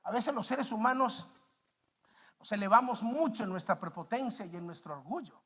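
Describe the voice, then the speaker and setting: A man preaching a sermon as pastor, animated, acting out the voices of the people in his stories. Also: high-pitched, moderate pace, husky.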